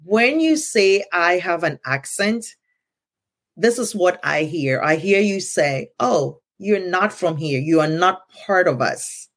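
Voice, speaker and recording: A woman's voice: lowish voice, expressive, takes it slowly. A middle-aged woman with a Ghanaian accent, hosting a casual conversation in an earnest tone and often checking in with "right?". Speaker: podcast host.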